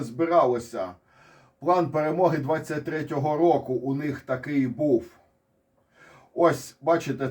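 A man's voice: fairly high pitch, darkish tone. A man with a Ukrainian accent giving casual, ironic commentary on war charts, digressing and restarting often. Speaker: military commentator.

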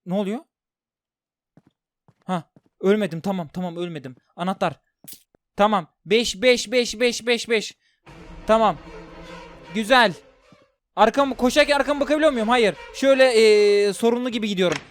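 A man commentating a horror game as he plays, talking to his viewers and jumping into loud yelps when scared. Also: sits high. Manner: talks to viewers while playing, jumpy and loud when scared. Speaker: gaming streamer.

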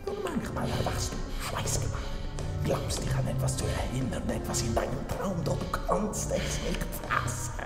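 An actor playing a grandiose, gloating mad cultist doctor with theatrical, menacing phrasing in a horror audio drama. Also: male voice, a little high, wildly swooping pitch. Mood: menacing, hushed. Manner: theatrical, drawn-out menacing phrasing, swinging from whispers to shouted incantation. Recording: reverberant hall, music behind.

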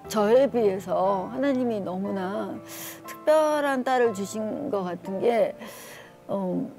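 Middle-aged woman guest, soft dark voice with some fry, telling a personal testimony with deep feeling. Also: slow pace, faint music behind. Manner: earnest, emotional, retells talk with her daughter. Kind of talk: tearful personal testimony on a talk show.

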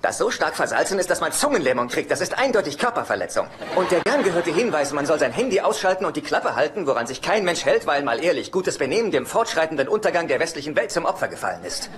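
Whiny, neurotic brother with lively pitch. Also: male voice, fast, few pauses, crowd noise. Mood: chatty, griping. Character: neurotic, self-pitying, wordy middle-aged brother. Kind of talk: dubbed sitcom dialogue.

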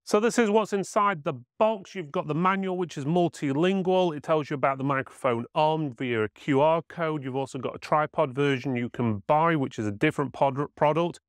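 A man's voice: a little high, normal speed, few pauses, no echo, studio quality. A man giving a casual, matter-of-fact hands-on product demonstration as a reviewer.

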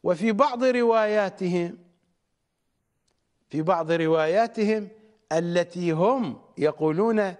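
A male religious lecturer speaks in a slow, weighty cadence, leaning hard on key words. His voice sits somewhat high for a man. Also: darkish tone. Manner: deliberate, emphatic, rising on key words. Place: studio.

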